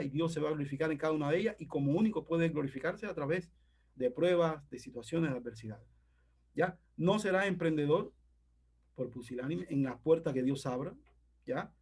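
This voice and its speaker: A man's voice: on the high side, darkish tone. A man preaching a sermon in an earnest, emphatic way, often checking in with his listeners.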